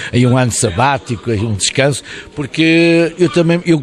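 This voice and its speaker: Noticeable background noise accompanies a man speaking at a moderate pace with ordinary pitch variation. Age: 60s. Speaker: retired local council president. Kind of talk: interview. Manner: halting, with frequent restarts.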